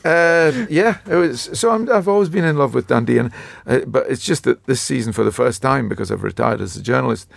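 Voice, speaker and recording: A man in his seventies with a croaky voice, a retired football writer telling rambling, self-mocking stories in a casual chat. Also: mid-range voice, lively intonation, fairly quick, hardly any pauses. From Scotland. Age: 70s.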